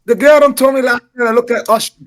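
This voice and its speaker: A hoarse man with a brash, boastful, slangy way of talking, trading banter on a rowdy live stream. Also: very high voice, steady tone, fast. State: hoarse, lost his voice. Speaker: guest rapper on a live stream.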